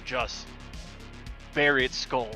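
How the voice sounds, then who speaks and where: A man chatting casually as a player in a tabletop game, describing his moves in halting phrases. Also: medium pitch, fairly even intonation, music in the background.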